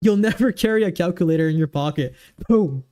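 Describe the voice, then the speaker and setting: Brisk and easygoing, this twentysomething streamer rambles through a casual chat with his viewers, full of restarts and fillers. He has a warm, mellow, slightly high voice with a goofy quality.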